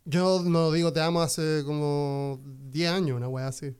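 A man's voice: on the high side, fairly even intonation, a little slow. A young man in a casual chat, asking probing questions and thinking aloud.

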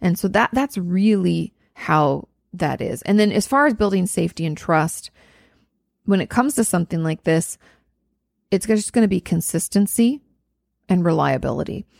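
A woman hosting a question-and-answer show, answering viewer letters in a gentle, reflective way, with many fillers and therapy terms. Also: fairly low pitch, expressive, normal speed, creaky, no echo, clean studio sound. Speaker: host answering viewer questions on mental health. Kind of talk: casual advice chat.

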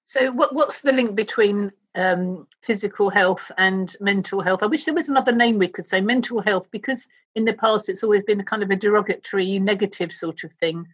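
A woman's voice: medium pitch, fairly quick, few pauses, slightly rough, dull audio. A woman hosting an interview, asking chatty questions and often repeating her opening words. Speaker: interviewer, host. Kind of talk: radio interview.

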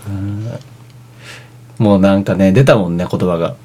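A man, from Oita, co-hosting a casual podcast chat and telling an animated story, laughing along as he goes. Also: deep voice, moderate pace, breathy edge. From Oita, Japan. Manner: animated storyteller, laughs through his own anecdotes. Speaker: band member, podcast co-host.

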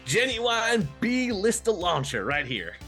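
A man voicing a folksy black-market arms dealer in a tabletop game, an eager salesman who haggles and draws out his pitch. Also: sing-song, takes it slowly, bright, forceful tone, soft background music, heavily acted. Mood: showy, eager.

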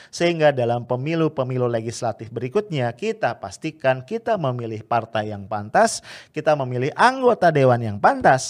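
A man delivers political commentary in a relaxed, chatty register. He leans on his points with emphasis, peppering them with tag words and brief laughs. His voice sits in an ordinary middle pitch. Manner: conversational and emphatic, with tag "ya" fillers and short laughs. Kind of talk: casual spoken commentary to viewers.

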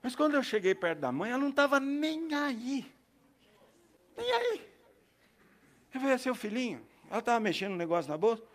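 Middle-aged Brazilian pastor, male, preaching with a high-set, expressive voice, swinging from loud to hushed. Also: fast talker, few pauses. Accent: Brazilian Portuguese. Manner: lively storytelling, swings between loud and hushed. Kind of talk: storytelling sermon.

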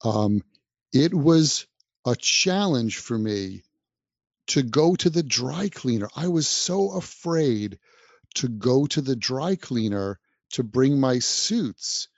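A man's voice: mid-range voice, lively intonation, slow pace, no room sound. A man who teaches English, giving encouraging podcast advice straight to the listener. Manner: encouraging, speaks directly to the listener. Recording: dull, dry, slightly lo-fi sound.

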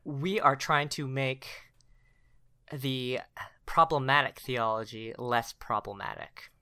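A man's voice: mid-range voice, steady tone, slow pace, sharp tone, clean tone, dry recording, clean studio sound. A man in his twenties, raised near Dallas after being born in Korea, co-hosting a casual podcast in a playful way and laughing easily. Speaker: podcast co-host.

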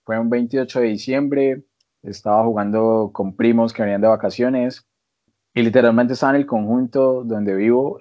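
Young Colombian guy, chatty storyteller, mid-pitched, slightly dull audio. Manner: storytelling with lively quoted voices. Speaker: podcast co-host. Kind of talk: casual chat.

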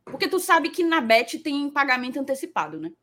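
A woman's voice: high-pitched, sing-song, brisk, sharp tone, slight background noise. A woman co-hosting a live sports stream, chatty and playful, reading viewer comments aloud. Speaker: podcast co-host. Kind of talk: casual live-stream chat.

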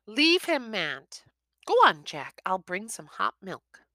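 A woman reading aloud, voicing a worried mother who scolds sharply and then turns tender, in a high fussing voice. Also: big pitch swings, slow, sharp tone, dry recording, clean studio sound, exaggerated voice. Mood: fretful tender.

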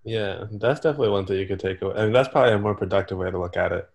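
A man's voice: low-pitched, racing, gravelly. A young man in his early twenties, speaking as a guest in a casual chat with a hesitant manner. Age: 20s. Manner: hesitant, with many ums and soft trailing-off phrases.

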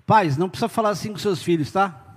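High-voiced preacher man in reverb. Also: quick pace, husky. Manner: conversational, direct address to listeners. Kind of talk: informal sermon.

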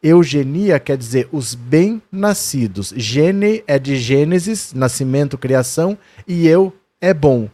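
A man's voice: on the high side, animated, takes it slowly, few pauses, mellow, no echo. A man with a Brazilian Portuguese accent explains history conversationally and shows documents to the viewer. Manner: quotes historical figures in a raised voice. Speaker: history presenter.

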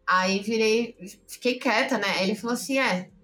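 A Brazilian woman with a Brazilian Portuguese accent, hosting a podcast and telling a story casually, animated, laughing and swearing freely. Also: on the high side, normal speed, slight background noise. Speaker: podcast host.

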